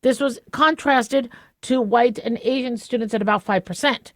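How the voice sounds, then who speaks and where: A woman's voice: a little high, moderate pace, no echo. A middle-aged American woman hosting talk radio, with a lisp that slurs her s sounds and an occasional stutter. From southwestern United States. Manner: occasional stutter, stumbling over words. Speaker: radio talk show host. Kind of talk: casual talk radio commentary on a news article.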